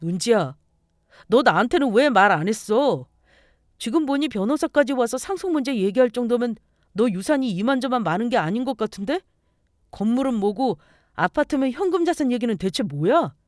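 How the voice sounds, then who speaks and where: A woman's voice: fairly high pitch, lively intonation, normal speed, darkish tone, dry recording, studio quality, close to an everyday voice. A woman voicing a greedy young man, the heroine's fiancé, who pleads and whines. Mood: demanding.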